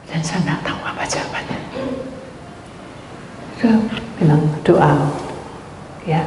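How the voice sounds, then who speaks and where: Animated woman pastor in an echoing hall. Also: slow, a little hiss or hum. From Indonesia. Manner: animated storytelling, swings between loud high exclamations and hushed asides. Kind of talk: sermon with acted-out anecdotes. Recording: echoey hall with long reverb.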